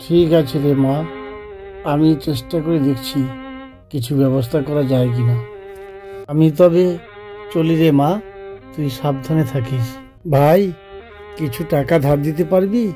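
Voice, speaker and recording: An actor voicing a poor, kind-hearted village father in a cartoon, speaking in a pleading, gentle way. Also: a little high, a little slow, pauses often, faint music behind, natural voice. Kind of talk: cartoon voice acting.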